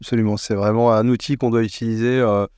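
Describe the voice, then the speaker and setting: A man speaking as an expert podcast guest in a conversational interview, explaining things in a measured way as he thinks aloud. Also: fairly low pitch, level tone, a little mellow, clean tone, no room sound.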